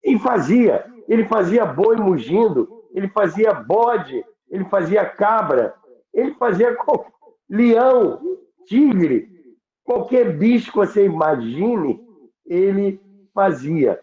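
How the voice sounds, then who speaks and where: A man's voice: high-pitched, very animated, takes it slowly, a little mellow. A man with a Brazilian accent telling stories conversationally as a radio history commentator, stressing points through repetition and lists. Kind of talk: conversational storytelling. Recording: thin phone-like sound, roomy echo.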